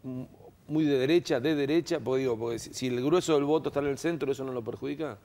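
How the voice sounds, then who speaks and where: A man's voice: medium pitch, warm tone. A man hosting a political panel, asking short, direct questions. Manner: brisk questioning. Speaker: host. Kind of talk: moderating a panel.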